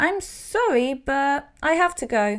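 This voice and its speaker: In a gruff, growling put-on character voice, a woman speaks at a high pitch and a fairly slow pace. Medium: read story.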